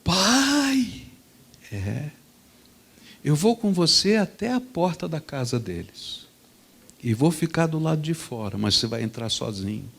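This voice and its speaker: A man voicing a calm, stern father who speaks low, slow and firm. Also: gravelly, breathy edge, heavily acted.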